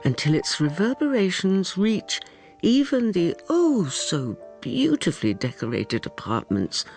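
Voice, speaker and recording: As a flamboyant storyteller in a radio play, with a lively, swooping voice and a slow, savoring delivery. Music plays clearly behind the narration. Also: mid-range voice. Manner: flamboyant, sing-song, addresses listeners.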